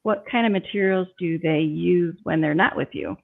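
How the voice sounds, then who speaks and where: A woman's voice: lowish voice, normal speed, creaky. A woman co-hosting a casual interview, asking plain, curious questions. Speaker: co-host. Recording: phone-like line.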